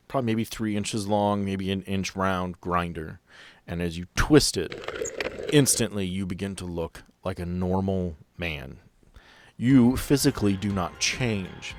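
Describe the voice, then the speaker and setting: A man's voice: fairly low pitch, a little hiss or hum. A man working as game master, narrating a tabletop roleplaying game in conversation with players.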